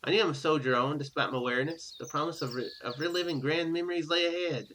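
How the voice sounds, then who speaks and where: A man with a fairly high, bright voice narrates game text as a gaming host. He slips into casual, offhand commentary as he goes. The recording is clearly noisy, with clicks in it. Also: fast talker. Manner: ad-libs offhand remarks, casual and informal. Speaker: gaming video host playing a visual novel.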